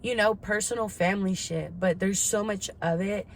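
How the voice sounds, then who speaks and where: A woman's voice: mid-range voice, steady tone, moderate pace. A woman in her twenties talking candidly in a casual confessional chat, slangy and swearing freely. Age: 20s. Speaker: vlogger. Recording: clear background ambient noise.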